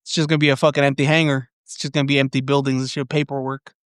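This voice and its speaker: A man co-hosting a podcast in casual chat, profane and excitable as he spins theories. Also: medium pitch, very fast, clear, resonant tone, dry recording, studio quality. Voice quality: occasional stutter and slight lisp when frustrated. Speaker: podcast co-host.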